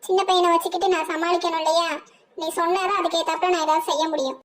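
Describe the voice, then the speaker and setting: Older cartoon grandmother, bossy mother-in-law, nagging, shrill high voice. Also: flat delivery, quick pace. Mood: scolding. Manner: scolding, nagging, rustic.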